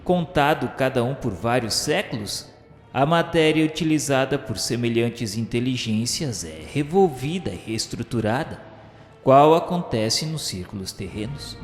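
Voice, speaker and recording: An actor with a Brazilian accent playing an earnest male spirit who narrates a dark journey in a solemn, literary, carefully enunciated radio drama style. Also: mid-range voice, natural voice. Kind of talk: scripted first-person dramatic narration. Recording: reverberant studio sound with music bed.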